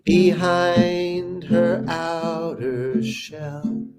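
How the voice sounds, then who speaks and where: A man's voice: fairly high pitch, little pitch movement, drawn-out words. A man, a guest author, chatting playfully and breaking into improvised songs. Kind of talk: casual chat with sung improvised verses. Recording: loud guitar music behind him.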